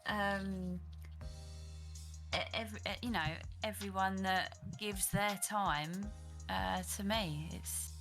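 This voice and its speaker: Female streamer guest, Estuary English, bright mid-pitched voice, low-key and self-deprecating chat. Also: fairly even intonation, takes it slowly, faint music behind. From Kent, England. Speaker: guest, video game streamer. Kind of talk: casual chat interview.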